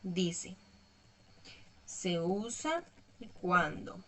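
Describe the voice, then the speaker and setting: A woman's voice: fairly low pitch, animated, drawn-out words. A woman teaching an online English lesson, explaining patiently step by step and checking in often with her students.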